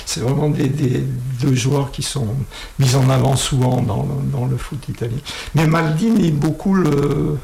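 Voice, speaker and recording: A man's voice: mid-range voice, unhurried, gravelly, darkish tone. A man hosting a casual interview with students, asking friendly questions and often hesitating and restarting his sentences. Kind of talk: casual radio-style interview.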